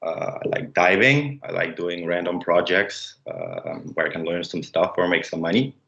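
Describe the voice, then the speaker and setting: A man in his late twenties from Denmark, opening and hosting a student livestream in a casual, halting way with many fillers. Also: sits low, vocal fry, a bit bright. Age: late 20s. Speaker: student presenter. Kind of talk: livestream presentation. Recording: dull roomy sound.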